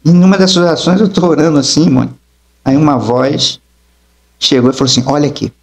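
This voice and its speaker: A middle-aged apostle and preacher tells his testimony emphatically in an interview, acting out the dialogue as he goes. His voice is a little high and brisk.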